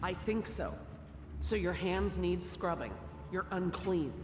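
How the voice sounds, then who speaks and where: A woman's voice: lowish voice, expressive, slow. A woman playing a strict, fussy, insistent woman in video game dialogue, prim and scolding. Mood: firm, scolding. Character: strict, fussy woman scolding about cleanliness, devoted to a doctor. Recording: echoey hall, music behind.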